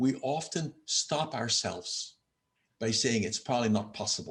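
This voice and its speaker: A man speaks with a medium pitch. His voice is somewhat breathy. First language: not English. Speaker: university professor. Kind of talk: interview.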